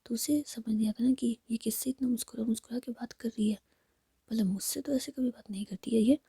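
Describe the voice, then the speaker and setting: Young woman whispering a story, raspy creaky hush, dark and dry. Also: fairly high pitch, fairly even intonation, brisk, no room sound. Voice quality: whispering throughout. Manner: hushed, chatty, mixes English words. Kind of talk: whispered retelling of a romance drama.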